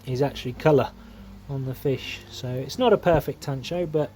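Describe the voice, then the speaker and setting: A man's voice: mid-range voice, moderate pace, warm tone, slight background noise. A man vlogging casually in his back garden by a pond, chatty and homely, with plenty of fillers. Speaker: koi keeper vlogger. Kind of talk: casual vlog narration. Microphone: camera mic, moving between handheld and tripod.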